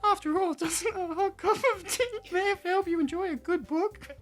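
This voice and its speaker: A man voicing a shy, elegant teenage schoolgirl in a high, genteel falsetto. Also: steady tone, moderate pace, soft background music.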